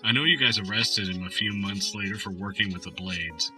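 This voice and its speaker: An actor playing a guarded store owner being questioned in an audio drama, speaking matter-of-factly. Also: male voice, on the low side, brisk, distant mic, over music, lightly acted, rough recording. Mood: guarded, wistful.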